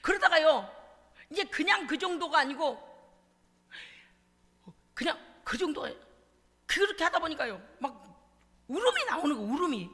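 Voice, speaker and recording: A middle-aged woman pastor preaching in a church, swinging between hushed asides and sobbing shouts as she acts out her prayers. Her voice is high and very lively, and it rings out with a long hall reverb. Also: normal speed, pauses often. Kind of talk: animated sermon. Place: church sanctuary.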